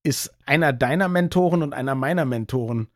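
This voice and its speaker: A man's voice: mid-range voice, fairly quick. A man co-hosting a podcast, asking curious, teasing questions in casual conversation. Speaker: podcast co-host.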